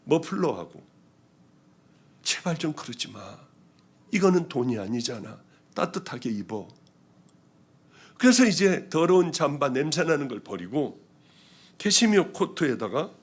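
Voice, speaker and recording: A male pastor giving a testimony sermon, telling his story with strong feeling and moving between hushed and loud passages. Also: on the high side.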